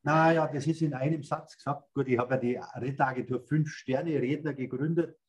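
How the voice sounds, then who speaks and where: An older man with a Bavarian accent, a guest on a video-call interview, telling lively stories about his plans. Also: mid-range voice, fairly quick, slightly rough. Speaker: guest, speaker agency founder. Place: indoors, in front of a red stage curtain backdrop.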